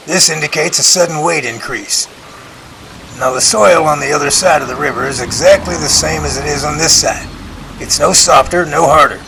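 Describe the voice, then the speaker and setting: Gravelly, higher-pitched actor as male professor. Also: pushed and bright, a little hiss or hum, low-quality recording. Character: earnest, assured male professor researching Bigfoot. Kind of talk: audio drama dialogue.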